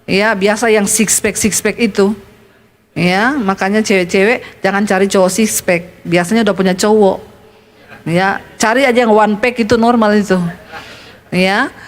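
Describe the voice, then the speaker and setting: A woman pastor preaching a sermon, telling lively stories with jokes and speaking straight to the congregation. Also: medium pitch, moderate pace. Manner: lively storytelling with jokes, addresses the congregation directly.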